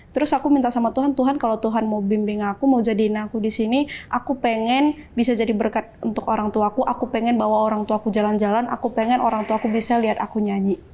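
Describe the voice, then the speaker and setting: A woman's voice: fairly high pitch, quick pace. A young woman from Medan with a Batak accent, talking earnestly and expressively as a podcast guest. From Medan, North Sumatra. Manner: earnest, expressive, laughs easily. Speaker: guest singer. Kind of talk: casual podcast chat.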